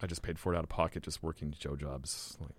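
A man's voice: very deep voice, fairly even intonation, quick pace, no room sound. A man in his forties, a filmmaker guest on a podcast, telling his story casually with lots of restarts and fillers. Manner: rambling, many restarts and fillers.

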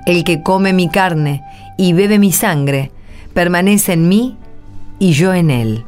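An Argentine woman presenting a religious radio programme, with scripted, measured and clearly phrased delivery. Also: lowish voice, a little mellow. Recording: music bed behind the voice.

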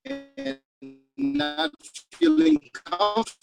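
A man from Cape Verde, an educator speaking as a guest in a panel discussion over a choppy video call from a car. He talks haltingly and leans on "you know" fillers. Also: very high voice, gravelly, music in the background. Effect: choppy video call connection, breaking up.

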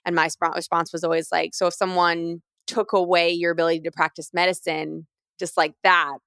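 A woman's voice: fairly low pitch, fairly quick, smooth, no room sound. Earnest retired athlete woman, dry sound. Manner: earnest, restarts phrases often, animated when quoting others. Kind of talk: candid personal storytelling.

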